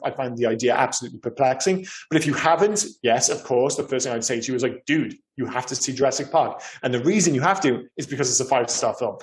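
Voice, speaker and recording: Swearing Cardiff man on a film podcast. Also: mid-range voice. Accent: Cardiff Welsh. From Wales. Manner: chatty, swears freely, stammers on repeated words. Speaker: podcast co-host. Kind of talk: casual film podcast chat. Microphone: remote call.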